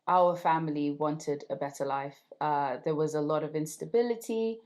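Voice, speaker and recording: A woman's voice: sits low, normal speed. A woman in her thirties from Zimbabwe, whose first language is Ndebele, reflecting in a conversational way during an oral history interview. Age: 30s. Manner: reflective, conversational, warm storytelling.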